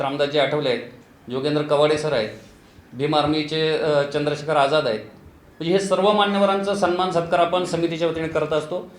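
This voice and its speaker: A man, the president of a local committee, giving a halting news interview statement with frequent fillers and long lists. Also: on the high side. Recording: echoey room with faint ambient noise.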